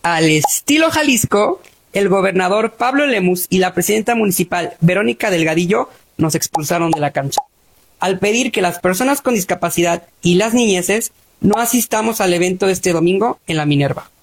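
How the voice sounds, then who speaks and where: A woman's voice: on the low side, animated, normal speed, a little hiss or hum. A woman with a Mexican accent delivering a scripted statement as a disability rights activist.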